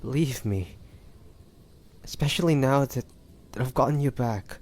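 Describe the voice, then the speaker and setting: A man playing a wounded, devoted young demon hunter in an audio drama, speaking in a halting, breathy, pained way. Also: medium pitch, darkish tone. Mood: tender, dying. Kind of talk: dramatic audio roleplay acting.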